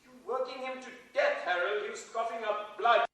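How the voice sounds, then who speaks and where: A man's voice: very high-pitched, normal speed, sharp tone. A man playing an indignant, sarcastic friend, speaking with biting emphasis in a staged play reading. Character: Alfred, indignant, sarcastic male friend scolding a mathematician. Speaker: actor in a dramatised play reading. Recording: very echoey hall, distant microphone.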